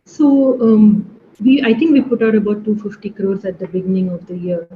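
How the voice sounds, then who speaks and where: A woman's voice: mid-range voice, steady tone, moderate pace. A woman with an Indian accent speaking as a finance executive, answering questions on an earnings call. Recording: dull call line, faint noise.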